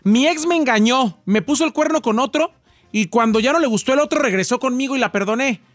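A man's voice: very high voice, fairly quick, no echo. A man with a Mexican accent co-hosting a radio show, reading out listener messages in a dry, matter-of-fact way. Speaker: co-host.

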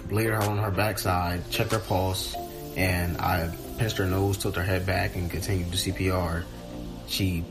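Brief: young male store worker, low voice, sincere plain retelling, music under. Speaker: store worker telling of a rescue. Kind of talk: interview.

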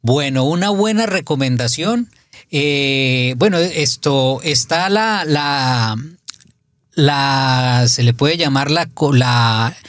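A middle-aged man, a spiritual advisor, talking casually on radio with halting restarts. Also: mid-range voice, fairly bright tone, no room sound, clean studio sound.

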